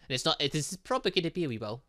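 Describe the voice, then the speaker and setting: A man's voice: on the high side, big pitch swings, very fast, bright, forceful tone. A man playing a visual novel, reading its lines aloud and joking about the story in casual chat. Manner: chatty, laughing asides, restarts mid-word. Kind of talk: casual let's-play commentary and reading game dialogue.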